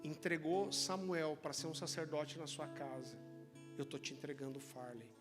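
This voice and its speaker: A man with a Brazilian accent quoting a devout, grave mother in a sermon, speaking in a solemn, hushed way. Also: on the high side, fairly even intonation, normal speed, voice pushed down, lightly acted. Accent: Brazilian Portuguese. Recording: church hall reverb with music.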